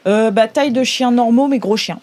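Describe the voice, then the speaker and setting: A woman's voice: fairly high pitch, moderate pace, a little mellow. A woman running an improvised tabletop game, narrating casually and hesitantly as she thinks aloud. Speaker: game master.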